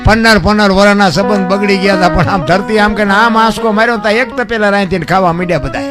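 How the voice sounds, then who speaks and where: A man with a Gujarati accent performing folk storytelling on stage, breaking into loud rhythmic rhymed recitation. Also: sits high, fast. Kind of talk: Gujarati lok dayro storytelling. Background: music.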